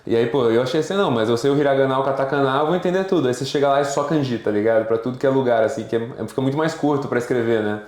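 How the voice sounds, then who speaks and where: A man hosting a podcast, chatting in a slangy, chummy way and firing off quick questions. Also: medium pitch, darkish tone. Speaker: podcast host. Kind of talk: casual interview chat. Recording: echoey room.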